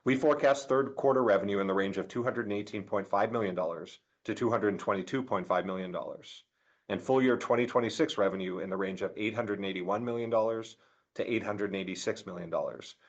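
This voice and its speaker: Low-pitched man, formal scripted delivery. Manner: formal, measured delivery of figures. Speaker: chief financial officer. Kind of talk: scripted corporate earnings presentation. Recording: dull, lo-fi conference call audio.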